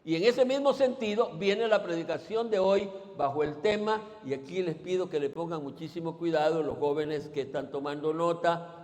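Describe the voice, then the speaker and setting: A man's voice: on the high side, darkish tone. A male pastor preaching a sermon, asking the congregation to repeat after him and throwing out questions. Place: church sanctuary. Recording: long church reverb.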